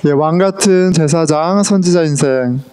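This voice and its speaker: A man's voice: fairly high pitch, normal speed, mellow. A middle-aged man preaching a sermon as pastor, conversational, asking his congregation questions and mixing in English words. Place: church sanctuary.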